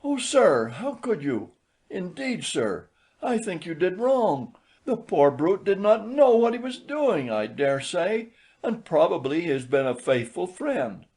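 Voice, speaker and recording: A male narrator plays a young shopgirl in a storybook tale. The voice is high, demure and polite, with a sly, mock-earnest tease. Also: big pitch swings, a little slow, darkish tone, full character voice. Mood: mock reproach.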